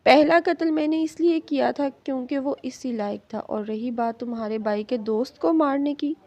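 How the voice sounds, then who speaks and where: A woman's voice: high-pitched, darkish tone, dry recording, lo-fi sound. A woman reader voicing a possessive, angry young male professor who scolds and threatens his wife. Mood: threatening. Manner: harsh, commanding, threatening.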